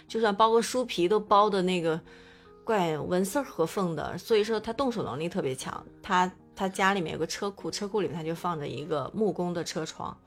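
A woman's voice: fairly low pitch, fairly quick. A woman chatting casually in an informal group conversation. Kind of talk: casual chat. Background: music.

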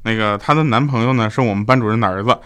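A man's voice: lowish voice, racing, a bit bright. A young man hosting a livestream, telling comic stories and laughing at his own punchlines. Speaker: livestream host. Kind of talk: comic storytelling monologue.

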